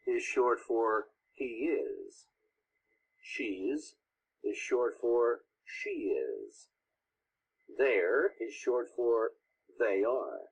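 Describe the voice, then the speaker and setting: Raspy man reading slow drill prompts. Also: lowish voice, poor audio. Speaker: textbook audio narrator. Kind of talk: scripted textbook audio.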